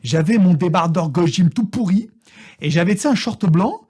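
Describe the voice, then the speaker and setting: A man's voice: high-pitched, moderate pace, breathy edge. A young man from France telling a crude, slangy comic story about a trip, full of swearing and laughing asides. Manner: slangy, vulgar, animated, often laughing. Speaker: vlogger.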